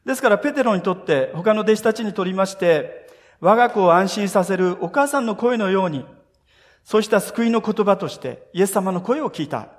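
A man's voice: sits high, lively intonation, a little fast. A male pastor giving a sermon, telling the story with earnest feeling and speaking straight to his listeners. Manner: earnest storytelling, speaks directly to listeners, voices scripture quotes. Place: church sanctuary. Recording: long reverb of a church hall.

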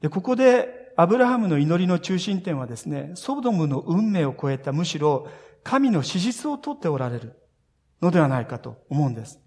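A man preaching a sermon as pastor, earnest and expressive, building emphasis as he speaks. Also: a little high, a little fast. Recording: long reverb of a large hall.

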